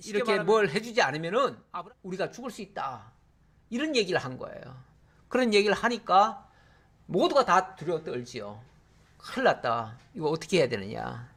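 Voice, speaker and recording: A middle-aged male pastor teaching verse by verse through the Bible in a conversational way, often pausing with short fillers and acting out quotes from the text. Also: high-pitched, pushed and bright.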